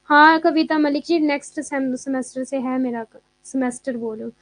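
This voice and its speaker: A woman's voice: high-pitched, normal speed, no echo. A young woman teaching a live online exam class in a chatty way, mixing in English terms and answering students' comments as she goes.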